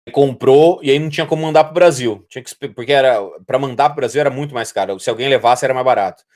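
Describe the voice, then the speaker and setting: Male podcaster, Brazilian Portuguese accent, average pitch, slangy conversational storytelling with repeated phrases. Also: very fast, a little mellow. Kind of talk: casual podcast chat and anecdote.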